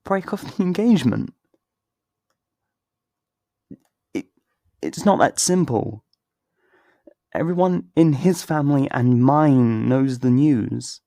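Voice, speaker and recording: A man playing a torn, tender best friend in an intimate ASMR roleplay, speaking in a halting, emotional, pleading way. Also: medium pitch, lively intonation, creaky, warm tone, no room sound, studio quality. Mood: anguished, confessing. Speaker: audio roleplay voice actor.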